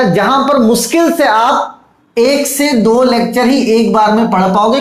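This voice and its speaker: A man giving a casual video lecture as an online tutor, fatherly, calling his students "beta" and checking they follow. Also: very high voice. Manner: fatherly, calls students "beta", keeps asking "theek hai". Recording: echoey room.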